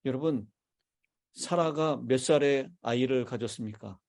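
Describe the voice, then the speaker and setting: A man's voice: mid-range voice, unhurried, a little mellow. A man, a pastor, preaching a sermon in a church and putting questions to his congregation. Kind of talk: sermon with congregation call-and-response. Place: church sanctuary.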